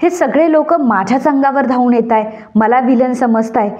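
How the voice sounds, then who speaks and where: A woman voicing a scheming young wife thinking aloud in a lower, hushed, worried tone. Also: normal speed, natural voice. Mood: anxious scheming. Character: scheming young wife, panicking inner thoughts. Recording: dull lo-fi recording.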